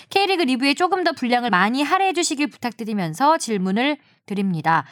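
A woman's voice: fairly high pitch, dry recording, clean studio sound. A woman, an announcer talking casually on a show. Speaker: sports announcer, show regular. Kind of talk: casual chat and reading listener letters.

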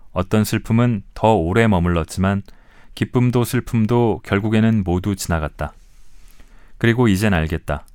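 A man in his forties, an author reading his own essays aloud in a slow, measured, reflective way, pausing to talk to listeners between passages. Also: fairly low pitch, a little mellow, clean tone, dry recording, studio quality. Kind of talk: calm literary reading aloud.

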